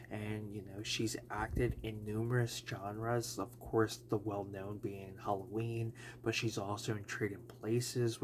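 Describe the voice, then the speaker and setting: A man gives a casual film review in a slightly raspy voice, worn down by allergies. He talks slowly and in a low register, wandering off with fillers and correcting himself as he goes. A faint hum sits under the recording. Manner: rambling, many fillers and self-corrections.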